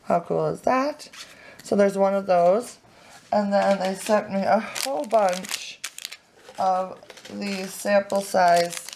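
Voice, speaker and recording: A woman vlogger chatting excitedly at home as she unboxes craft supplies, with lots of fillers. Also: mid-range voice, slow pace, a little hiss or hum. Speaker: family vlogger. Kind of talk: casual unboxing chat. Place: home, indoors at a table.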